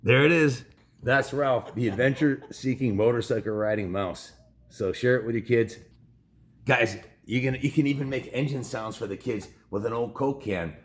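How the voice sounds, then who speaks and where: A man in his fifties with an American accent reads a children's book aloud as host, breaking off for informal, jokey asides to viewers. His voice is medium-pitched at a normal speed.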